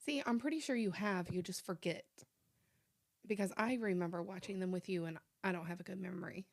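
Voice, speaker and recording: A woman's voice: on the low side, brisk, creaky, dry recording, studio quality. A woman co-hosting a casual movie review podcast, talking in a teasing, conversational way. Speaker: podcast co-host.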